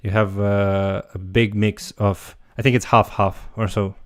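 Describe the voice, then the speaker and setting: A man's voice: on the low side, flat delivery, a little slow, no echo, clean studio sound. A man teaching a language, answering viewer questions in a casual livestream and thinking aloud as he goes. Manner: loose, talks while thinking aloud.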